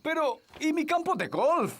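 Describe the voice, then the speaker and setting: A man's voice: very high-pitched, sing-song, measured pace, fairly bright tone, exaggerated voice. A man with a Latin American Spanish accent playing a pompous, easily exasperated fairy king in a cartoon. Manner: pompous, emphatic.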